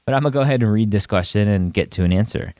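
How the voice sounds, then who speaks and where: Male podcast host, deep and nasal with a head cold, measured explainer, dry studio-close sound. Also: darkish tone, dry recording. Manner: measured, explanatory, with small restarts. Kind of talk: solo podcast talk.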